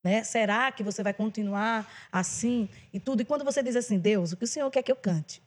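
A woman's voice: on the high side, a little fast. A Brazilian woman hosting a faith podcast, reflecting aloud with hesitant restarts and affirming her guest. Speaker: podcast host. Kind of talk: casual chat.

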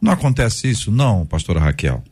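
Lively man hosting a faith talk panel. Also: lowish voice, fast, husky. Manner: reflective, uses vivid imagery. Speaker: host. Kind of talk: Christian radio discussion panel.

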